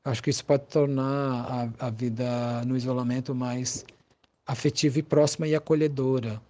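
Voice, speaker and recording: A Brazilian man, a psychologist being interviewed, gives conversational explanations in a thoughtful, halting way, searching for his words. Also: mid-range voice, little pitch movement, mellow.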